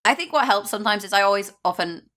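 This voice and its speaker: A woman's voice: medium pitch, lively intonation, fast, a bit bright. A woman content creator chatting casually and informally as a guest on a gaming podcast.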